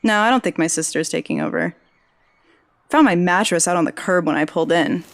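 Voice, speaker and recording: An actress playing a young journalism graduate, dry, sarcastic and curious, in a naturalistic audio drama. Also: female voice, on the low side, a little fast, close to an everyday voice. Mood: wry, casual. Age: young adult.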